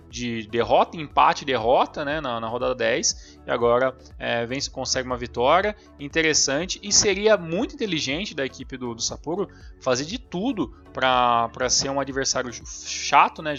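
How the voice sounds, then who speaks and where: A man's voice: mid-range voice, lively intonation, normal speed, few pauses, a bit bright, dull audio, faint music behind. A man co-hosting a podcast, chatting casually about football, rambling with many fillers and restarts. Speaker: podcast co-host.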